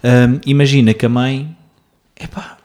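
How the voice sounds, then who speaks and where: A man's voice: mid-range voice, fairly even intonation, unhurried, darkish tone. A man from the Azores with a European Portuguese accent, chatting casually in a reflective, slightly hesitant way. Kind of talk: casual chat.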